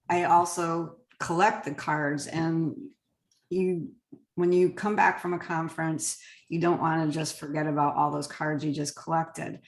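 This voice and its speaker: Roomy sounding lady realtor from connecticut, lowish voice, chatting thru her work in an interview. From Connecticut, United States. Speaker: real estate agent, interview guest. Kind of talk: conversational interview about work systems. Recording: roomy echo.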